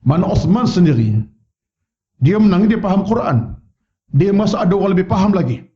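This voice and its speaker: A man's voice: animated, fairly quick, dark tone, highs cut off. A man with a Malaysian Malay accent, giving a mosque lecture as a religious teacher. He tells stories and acts out the quoted voices. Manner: storytelling, acts out quoted voices with rising pitch. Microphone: wireless microphone.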